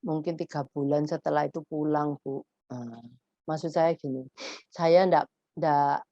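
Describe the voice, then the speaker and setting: A woman, an autism therapist giving a live-streamed lesson to parents, talking animatedly and mixing in English words. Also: unhurried. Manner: animated, acts out high exaggerated example phrases; mixes English words into her talk. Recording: dull lo-fi stream audio.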